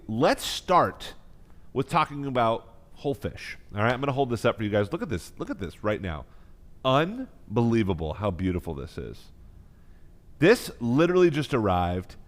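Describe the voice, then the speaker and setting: An American man hosting a live online cooking class as chef instructor, speaking with effusive, emphatic enthusiasm. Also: medium pitch. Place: kitchen.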